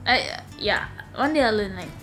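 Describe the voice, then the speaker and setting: A young woman from Malaysia with a slightly raspy, low voice, chatting casually in a sit-down vlog at home, rambling with lots of fillers. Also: expressive, moderate pace, fairly bright tone, soft background music. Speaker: vlogger. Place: home room.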